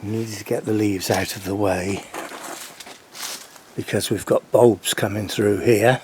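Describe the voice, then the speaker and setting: An older man walks along his garden border and talks slowly and plainly, with pauses between his points. His voice sits on the low side. A faint outdoor hiss runs behind the camera-mic sound. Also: fairly even intonation, darkish tone. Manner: slow, plain, unhurried explaining with pauses. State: out of breath. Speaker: gardening channel host. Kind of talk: casual garden walk-through.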